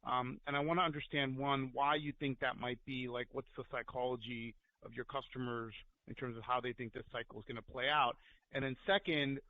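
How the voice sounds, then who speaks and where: Man, analyst on an earnings call, mid-pitched, long-winded unscripted questions, thin telephone sound. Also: fairly even intonation, brisk. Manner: wordy, thinking aloud. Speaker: financial analyst asking questions. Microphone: telephone conference call. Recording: narrow tinny phone line.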